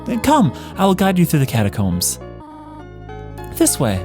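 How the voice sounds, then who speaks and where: A man voicing a gentle, motherly female monster caretaker from a game, doting and formal in manner. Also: a little high, huge pitch swings, moderate pace, music in the background. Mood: kindly. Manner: formal, careful, reassuring phrasing. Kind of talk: game dialogue read-along.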